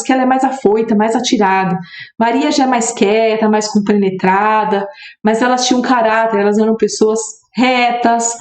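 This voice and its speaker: A woman's voice: on the high side, a little mellow. A woman with a Brazilian Portuguese accent teaching a Bible lesson to preteens. She explains, asks rhetorical questions and reads scripture aloud. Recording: echoey room.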